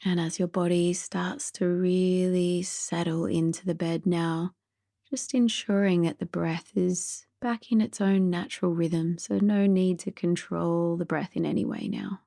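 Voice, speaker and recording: A woman gently guiding a sleep meditation in a soothing, soft and breathy voice that drifts toward a whisper. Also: lowish voice, animated, a little slow, no echo, studio quality. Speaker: meditation guide.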